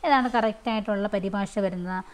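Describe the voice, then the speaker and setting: A woman's voice: mid-range voice, brisk. A woman teaching, going through exam questions one by one and repeating each question and answer in a conversational way. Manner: fillers and restarts, conversational.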